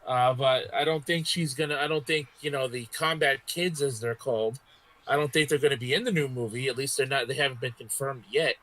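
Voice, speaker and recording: A man on a podcast panel chatting casually, often halting and repeating his phrases. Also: mid-range voice, fairly bright tone, rough recording. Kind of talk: casual chat.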